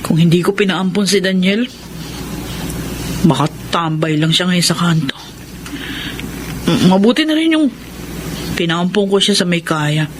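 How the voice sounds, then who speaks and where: Heartbroken lesbian mother, Filipino accent, radio drama, plaintive, regretful, clearly noisy recording. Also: fairly low pitch, animated, unhurried, long pauses.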